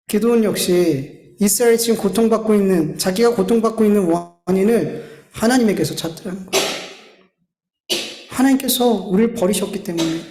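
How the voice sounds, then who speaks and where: The recording catches a pastor's high-pitched, slightly mellow voice echoing around a church hall. He preaches earnestly and pleadingly, often turning to address the congregation in the sanctuary directly.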